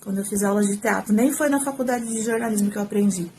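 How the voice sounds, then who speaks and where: A woman's voice: mid-range voice, fast, a little hiss or hum. A woman with a Brazilian Portuguese accent, a former TV reporter, giving a casual, talkative tutorial to her phone camera at home. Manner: talkative, animated, gestures while speaking. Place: at home, indoors. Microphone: phone, front camera.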